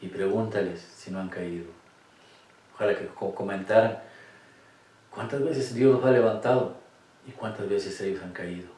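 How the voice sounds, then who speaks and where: A man's voice: lowish voice, moderate pace, pauses often, dark tone. A man leading a Catholic Bible study, speaking emphatically and posing rhetorical questions to his listeners. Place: room with cameras. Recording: echoey room, distant mic.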